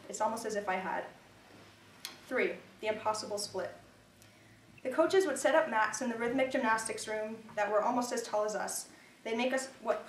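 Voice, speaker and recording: Young woman reading her personal essay, wry and a bit nervous, higher voice, roomy sound from off-mic. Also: slight background noise. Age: young adult. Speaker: student reader. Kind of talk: literary reading of personal prose. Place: reading event room. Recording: echoey room, voice from a distance.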